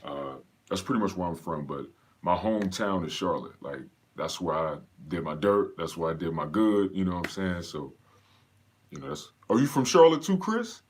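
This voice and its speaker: A man's voice: deep voice, expressive, normal speed, slightly rough. A man from Pennsylvania, raised in North Carolina, casually hosting a live fitness Q&A and greeting viewers by name in a slangy, laid-back way. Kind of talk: casual livestream chat.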